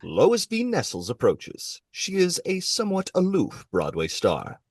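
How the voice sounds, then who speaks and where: A man's voice: on the high side, wildly swooping pitch, measured pace, slightly rough, no room sound, clean studio sound, heavily acted. A man playing the narrator of an audio play, describing the action as scripted narration. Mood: descriptive.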